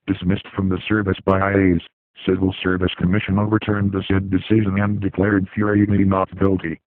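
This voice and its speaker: A man reading a scripted accusing statement as an anonymous hacker, his voice disguised and pitched down, steady and flat. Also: dry recording. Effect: disguised, pitched-down deep voice. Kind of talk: scripted statement read aloud. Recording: dry, tinny phone-like sound.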